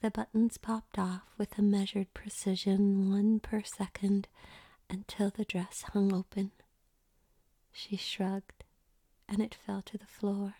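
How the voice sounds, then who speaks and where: A woman reading an erotic story in a soft, unvoiced whisper close to the mic. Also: medium pitch, level tone, takes it slowly, no room sound.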